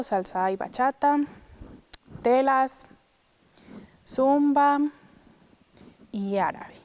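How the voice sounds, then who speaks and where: A woman's voice: fairly high pitch, a little mellow, smooth. A young woman who sings opera, chatting casually in an interview and filling her speech with "pues" and "o sea". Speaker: opera singer.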